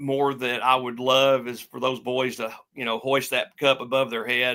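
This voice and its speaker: A man with a Southern US accent speaks at a fairly slow pace. His medium pitch stays monotone and flat. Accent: Southern American. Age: 60s. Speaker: wrestling promoter. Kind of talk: interview.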